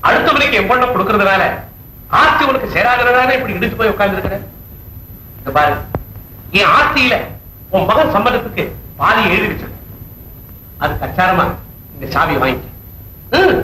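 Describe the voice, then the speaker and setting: Stern father, commanding, lively pitch, bright tone, echoey film recording. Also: full character voice. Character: stern older father ordering the household. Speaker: father of the bride. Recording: echoey film soundtrack with faint noise.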